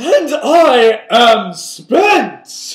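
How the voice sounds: A put-on character voice, high-pitched with very wide pitch swings, delivered in a dramatic, theatrical tone.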